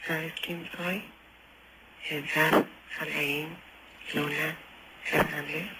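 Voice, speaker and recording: A man's voice: on the high side, level tone, takes it slowly, pushed and bright, a little hiss or hum. A man on a replayed radio phone call, speaking in a menacing, taunting way as if he were an evil spirit.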